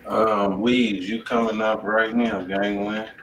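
A man's voice: lowish voice, level tone, takes it slowly, fairly bright tone. A man with an American accent chatting casually in slang as host of a livestreamed music show. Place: indoor room on a livestream. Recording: echoey, distant mic, faint noise.

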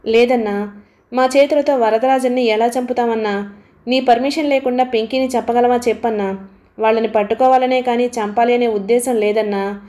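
A woman reading an audiobook voices a grief-stricken young male gang member who pleads and shouts through tears. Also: very high-pitched, fairly even intonation, moderate pace. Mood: tearful. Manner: pleading, tearful.

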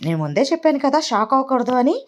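A woman voicing a patient grown son who calmly explains family news in a home drama story. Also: sits high, fast talker, pitched above the performer's own voice. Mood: explaining.

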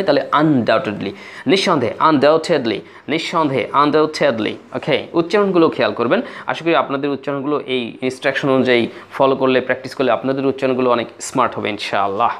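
A man's voice: mid-range voice, fast, fairly bright tone. A man with a Bangladeshi accent teaching spoken English in a classroom style. He says each phrase again and again and spells words out letter by letter. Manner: acts out little everyday scenes.

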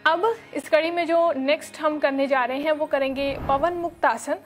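A young woman teaching yoga in a studio, giving calm step-by-step instructions with many fillers, on a lapel mic. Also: high-pitched, moderate pace, soft background music. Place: studio with red floor and dark curtains.

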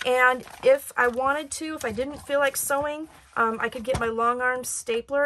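A woman with a raspy voice hosting a casual craft tutorial, chatty and rambling with many ums. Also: a little high, a bit bright, a little hiss or hum.

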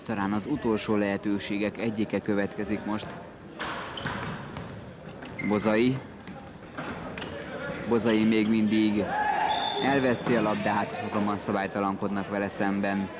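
A man's voice: lowish voice, little pitch movement, long pauses. A man giving live match commentary on indoor football, terse and calling out players' names play by play. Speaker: sports commentator. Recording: noisy gym recording, ball bounces behind. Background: indoor sports hall with bouncing ball.

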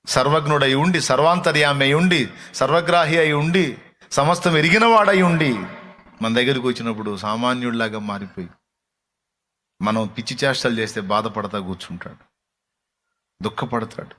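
A man preaches a sermon as a pastor at a moderate pace with long pauses. His talk is conversational and packed with rhetorical questions, sinking into soft, low asides and rising into pleading exclamations.

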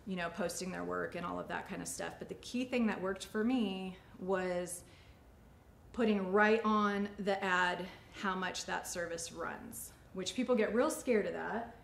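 Creaky-voiced woman chatting through a demonstration. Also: lowish voice, unhurried. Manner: chatty, informal. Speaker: salon owner and hairstylist teaching a class. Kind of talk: casual instructional talk during a demonstration. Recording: echoey studio room, faint ambient noise.

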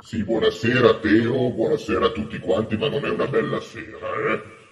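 A man voicing a smug, sly male devil who calls in from the underworld and talks calmly in a half-whisper, heard over a phone on speakerphone. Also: medium pitch, moderate pace. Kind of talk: staged comic phone call on a web show. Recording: echoey speakerphone sound.

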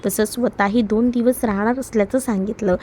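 A woman's voice: fairly high pitch, fairly even intonation, fairly quick, a little mellow, a little hiss or hum. A woman reading a romance story aloud, telling the narration and speaking both lovers' lines herself.

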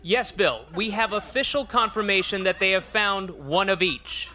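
A serious American TV field reporter in a parody newscast. The voice is high and bright, and the delivery is precise, official and completely deadpan. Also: male voice, moderate pace. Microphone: handheld microphone.

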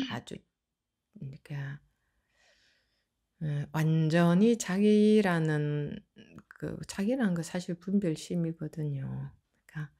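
A woman teaching as a Buddhist meditation teacher, answering a question calmly and explaining at length. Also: lowish voice, vocal fry. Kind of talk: dharma Q&A answer.

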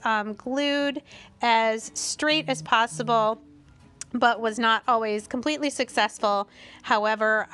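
A middle-aged woman narrating a home craft tutorial in a voice-over, calm and explanatory with small chatty asides. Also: on the high side, clean tone.

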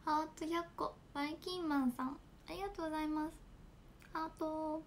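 A woman's voice: high-pitched, steady tone, fairly quick, a little hiss or hum. A young woman from Japan, chatting casually with fans on a smartphone livestream, giggling and reading out comments. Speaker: idol livestreamer.

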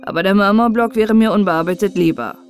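A woman voicing a stately old male master sculptor in an audiobook fairy tale, speaking slowly in a cold, measured way. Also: medium pitch, soft background music, lightly acted.

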